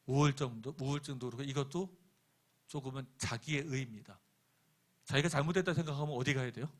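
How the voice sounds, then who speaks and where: A middle-aged man preaching a sermon as pastor. He keeps asking the congregation questions and answering them himself, and tells a personal story with quoted lines. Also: a little high. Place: church sanctuary.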